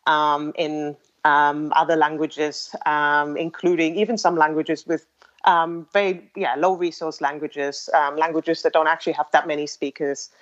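A German-speaking woman, a language-tech developer appearing as an interview guest, explains things casually in a low, hesitant voice with a level tone and a slightly slow pace. She's thoughtful, with many ums, restarts and light laughs. The lo-fi audio sounds muffled.

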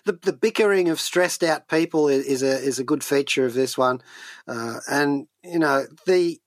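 A man's voice: on the high side, moderate pace, no echo. Man, radio co-host, conversational reviewing, repeats words while thinking, dry studio sound.

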